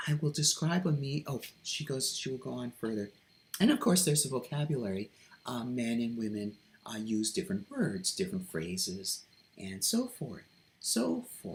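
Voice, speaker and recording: A somewhat breathy man at a moderate pace, his pitch swinging very widely. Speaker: video essayist. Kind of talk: casual monologue. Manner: practicing feminine voice, sometimes falsetto; hesitant, many ums.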